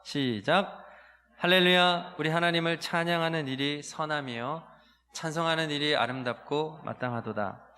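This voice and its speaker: Bright-voiced pastor in his forties. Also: on the high side. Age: 40s. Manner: candid storytelling with many filler pauses, rising to emphatic outbursts. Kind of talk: sermon.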